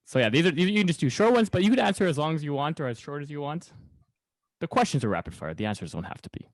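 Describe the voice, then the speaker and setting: A man's voice: fairly high pitch, sing-song, fast talker, no room sound. A man hosting a podcast interview in a casual, chatty way. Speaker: podcast host.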